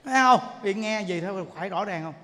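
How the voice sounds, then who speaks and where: Animated preacher in a hall. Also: male voice, high-pitched, fast, a little hiss or hum. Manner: animated, folksy, keeps asking the listeners if they understand. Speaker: Buddhist teacher giving a dharma talk. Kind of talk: sermon. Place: temple hall. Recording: long hall reverb.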